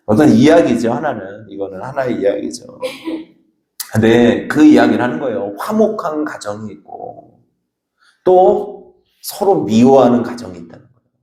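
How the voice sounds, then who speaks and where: A man's voice: medium pitch, lively intonation, moderate pace, warm tone. Emphatic male pastor in an echoey church. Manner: emphatic, exhorting, tells folksy anecdotes. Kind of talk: sermon. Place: church sanctuary.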